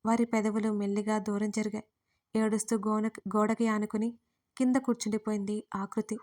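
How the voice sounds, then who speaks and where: A woman writer narrating her own romance audio story in a steady, even storytelling manner. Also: mid-range voice, normal speed.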